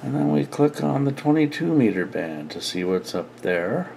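A man's voice: mid-range voice, big pitch swings, normal speed, vocal fry, warm tone. A man giving a casual, unscripted radio hobby demonstration, thinking aloud as he goes. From Canada. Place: indoor radio desk at home. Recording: faint background noise.

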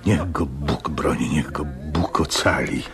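An actor playing an anxious older Jewish innkeeper in a radio drama, pleading emphatically. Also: male voice, extremely low pitch, takes it slowly, soft background music. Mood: desperate pleading. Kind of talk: Polish radio drama acting.

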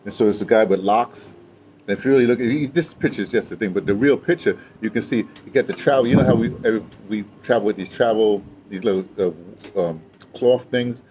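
A man's voice: lowish voice, a little fast, darkish tone. A man in his seventies reminiscing in casual conversation, repeating phrases as he tells his stories. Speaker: interviewee, audio drama veteran. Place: outdoors, patio or yard of a building. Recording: clearly noisy outdoor ambience.

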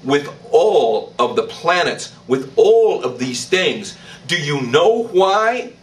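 An older man, a priest, preaching a sermon in church, slow and emphatic, with declarations that rise in pitch. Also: very animated, recorded from a distance, poor audio. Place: church, indoors. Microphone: stand mic in front.

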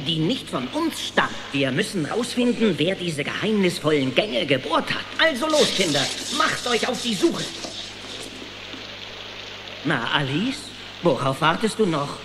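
An actor playing a bossy father worm in an animated film radio play, commanding and theatrical. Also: sits high. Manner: commanding, theatrical, drawn-out delivery. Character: bossy father worm leading his children and wife. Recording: roomy echo with loud music behind.

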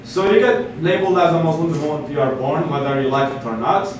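A man's voice: a little high, quick pace. A man in his twenties from Iraq gives an earnest talk from a podium to a seated audience, restarting phrases often. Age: 20s. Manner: earnest, with frequent restarts and fillers. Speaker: guest speaker. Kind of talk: public lecture. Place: meeting room with a seated audience. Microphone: podium mic from far camera. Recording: echoey room, distant mic, audible noise.

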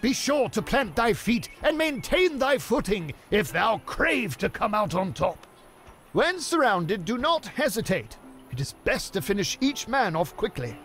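A pompous, bawdy medieval knight from a video game with a very high, lively voice. He talks slowly and theatrically, piling on mock-archaic pronouncements. Faint music plays behind him. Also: exaggerated voice. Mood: lecturing. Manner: grand, innuendo-laden pronouncements. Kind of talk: video game voice line reel.

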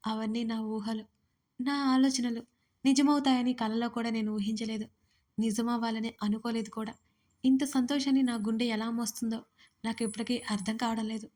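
Shy young woman, tearful, in love, soft hushed confession, audio story, woman narrator performing, flat melody. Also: fairly high pitch, moderate pace, natural voice. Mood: tender.

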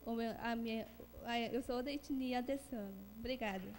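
A woman student introducing herself on stage at a welcome event, pausing to search for words. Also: on the high side. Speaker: incoming student. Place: large auditorium. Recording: long hall reverb, faint noise.

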